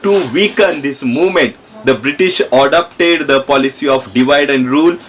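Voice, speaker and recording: A man's voice: medium pitch, moderate pace, slight background noise. A man with an Indian accent teaching a history lesson, explaining step by step, repeating phrases and often checking in with his students. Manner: repetitive, asks questions and checks in with students.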